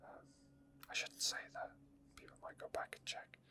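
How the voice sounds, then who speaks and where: A man doing soft, rambling ASMR commentary over his own gameplay, thinking aloud in an unhurried way. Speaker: ASMR gaming video host. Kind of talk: whispered ASMR game commentary.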